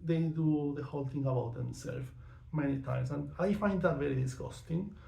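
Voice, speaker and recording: A man from Venezuela speaks English with a Venezuelan accent, his voice gravelly and mellow yet a bit high. He talks in a frank, outspoken way, with plenty of fillers. The recording has an echoey room sound. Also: moderate pace. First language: not English or Spanish. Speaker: vlogger. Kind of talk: casual personal monologue.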